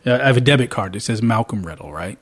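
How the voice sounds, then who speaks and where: A man's voice: on the low side, animated, quick pace, slightly rough. A man co-hosting a podcast, telling a long story in casual chat, often repeating and restarting words as he retells what happened. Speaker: podcast co-host.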